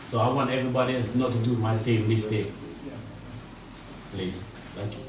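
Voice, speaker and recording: A man, a boxer, speaking earnestly at a press conference in halting, non-native phrasing. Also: mid-range voice, fairly even intonation. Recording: echoey room, distant mic, noisy.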